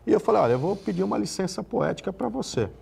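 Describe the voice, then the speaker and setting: A man from Santos speaks as a guest on a television talk show. His voice has a gravelly, slightly husky edge, and he talks passionately, stacking up emphatic comparisons. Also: sits high, big pitch swings, rapid-fire, a little mellow. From Santos, Brazil. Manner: passionate, builds to emphatic lists. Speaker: city official guest.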